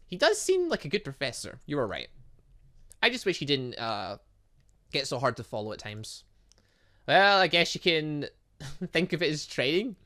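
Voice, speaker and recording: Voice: medium pitch, pushed and bright. A gaming host voicing an earnest, easily flustered young academy student with hesitant delivery in a visual novel.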